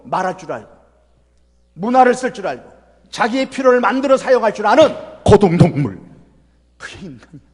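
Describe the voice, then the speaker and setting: High-voiced Korean pastor in a reverberant hall. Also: male voice, slightly rough. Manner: folksy, emphatic, rhetorical questions to the congregation. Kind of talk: revival sermon. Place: church sanctuary.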